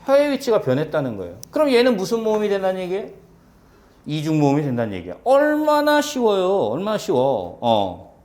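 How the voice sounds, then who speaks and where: A man's voice: high-pitched, huge pitch swings, a little fast, darkish tone. A male lecturer teaching exam prep, firing rhetorical questions and answering them himself, repeating key points for emphasis. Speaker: civil service exam Korean lecturer.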